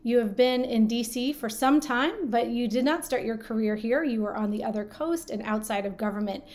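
A woman hosting an interview show, reading a guest introduction and asking questions in a measured, scripted way. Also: on the high side, a little mellow. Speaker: podcast host.

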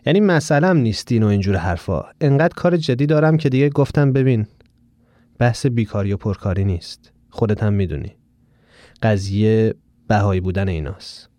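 Brief: a man doing a playful young guy, chatty and teasing, warm dark tone, dry studio sound. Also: fairly low pitch, lively intonation, no echo, close to an everyday voice. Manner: playful and teasing, then earnest. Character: chatty young male friend, joking. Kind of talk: audiobook character voice.

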